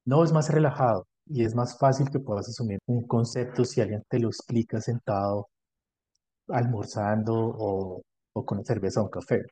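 A man with a Colombian accent, a dentist answering conversationally as an interview guest, explaining things in a measured way. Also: mid-range voice, mellow, no room sound. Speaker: podcast guest, dentist specialised in prosthodontics and implants.

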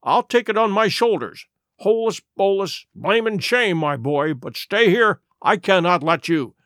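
An earnest, principled gentleman doctor, voiced by a male narrator, with a lively, animated voice. He speaks in a fairly high register, close and dry. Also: takes it slowly, no echo, full character voice. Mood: urgent. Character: kindly, principled gentleman doctor, middle-aged man.

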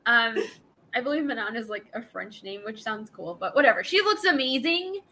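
A woman guest on a podcast, chatting and gushing warmly about her friends' cosplays. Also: a little high, lively intonation. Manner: gushing, chatty, quick laughs. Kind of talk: casual podcast chat.

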